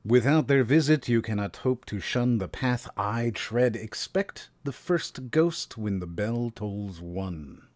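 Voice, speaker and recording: A man playing the stern chained ghost of a ruthless businessman in an audio drama, speaking gravely and theatrically. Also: medium pitch, lively intonation, a little mellow, no echo. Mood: grave, foreboding. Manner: grave, theatrical, slow and deliberate. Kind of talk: fan audio drama acting.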